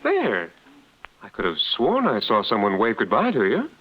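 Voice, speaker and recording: A man's voice: on the low side, wildly swooping pitch, moderate pace, husky, exaggerated voice. An actor playing a fussy, condescending male ship passenger who mocks his companion, in a 1950s radio drama. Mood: mocking. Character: stuffy, mocking male fellow passenger. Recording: muffled 1950s radio broadcast.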